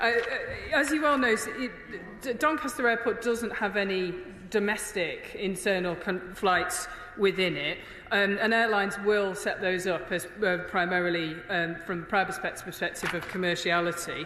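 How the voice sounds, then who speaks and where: A woman of medium pitch speaks with audible room echo and noticeable background noise. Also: ordinary pitch variation, moderate pace. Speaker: government minister. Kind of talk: parliamentary debate. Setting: parliament chamber. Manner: halting.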